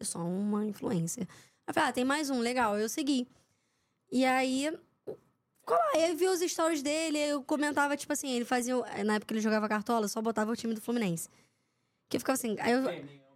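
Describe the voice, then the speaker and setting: Speaking with a Rio de Janeiro accent, a woman talks at a fairly quick pace in a high voice with lively intonation. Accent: Carioca Brazilian Portuguese. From Rio de Janeiro (Madureira), Brazil. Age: 20s. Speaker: sports reporter and content creator. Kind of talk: casual chat. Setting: studio.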